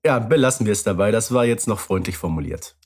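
A man co-hosting a podcast, chatting casually and wryly about radio plays, with lively storytelling and some fillers. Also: fairly low pitch, fast. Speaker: podcast co-host.

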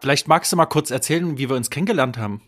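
A man's voice: mid-range voice, very fast, fairly bright tone. A man co-hosting a casual interview, asking the guest questions in a friendly way. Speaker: podcast co-host.

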